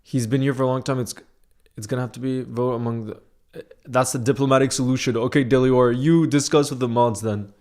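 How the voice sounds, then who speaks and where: A man's voice: medium pitch, steady tone, brisk, darkish tone. A young man hosting a casual livestream, chatting and reading viewer comments aloud. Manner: conversational, often asks "you know what I mean". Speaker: livestream host.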